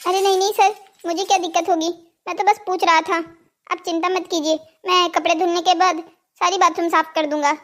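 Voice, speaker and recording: A naive, dutiful cartoon boy as a woman plays him. The voice is extremely high and childlike, polite and earnest in delivery. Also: level tone, fairly quick, fairly bright tone. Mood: polite, uneasy. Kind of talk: scripted cartoon story dialogue.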